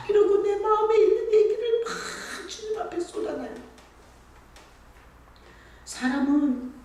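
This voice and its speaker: High-voiced woman pastor in echoey church. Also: darkish tone, slight background noise. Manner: conversational and emphatic, acting out prayers and quotes. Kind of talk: sermon. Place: church sanctuary. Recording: very echoey, distant church recording.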